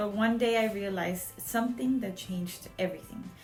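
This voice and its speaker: Music plays behind a woman who speaks with a non-native accent. Her pitch variation is ordinary. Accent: foreign accent, non-native English. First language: not English. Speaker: podcast host, communication coach. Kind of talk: motivational podcast talk.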